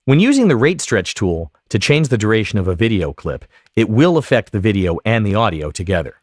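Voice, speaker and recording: A man narrating a software tutorial as an instructor, explaining each step methodically. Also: fairly low pitch, big pitch swings, brisk, no room sound, clean studio sound. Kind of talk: instructional screen-recording narration.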